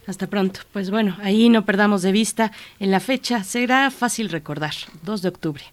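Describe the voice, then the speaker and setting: A woman's voice: mid-range voice, normal speed. A woman hosting a radio interview, formal and respectful toward her guest. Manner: formal, addresses guest as doctor. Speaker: radio host.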